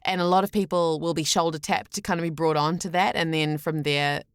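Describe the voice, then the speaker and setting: A woman's voice: deep voice, steady tone, fairly quick, clear, resonant tone, no room sound, studio quality. A woman voice actor talking casually as an interview guest, chatty and explanatory, often correcting herself mid-sentence.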